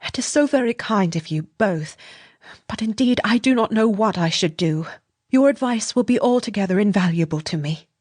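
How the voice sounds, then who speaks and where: A man's voice: lively intonation, moderate pace, a little mellow, no echo, studio quality. A man voicing an anxious, earnest young woman asking for help in an audiobook reading, in a raised, pleading voice. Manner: earnest, pleading, high and breathless.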